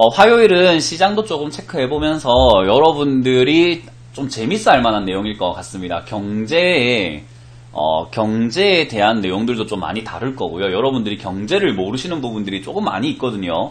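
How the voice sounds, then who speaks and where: The man talks at a moderate pace. His pitch swings very widely. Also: medium pitch for a man. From Busan, South Korea. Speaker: stock market expert. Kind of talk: live stream talk. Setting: live YouTube stream.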